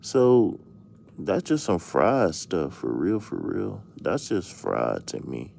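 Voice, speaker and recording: A man's voice: deep voice, big pitch swings, slow pace, creaky, a little mellow, slight background noise. A man streaming a casual chat as a tarot reader, telling stories with jokes and plenty of profane slang. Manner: joking, storytelling, profane slang.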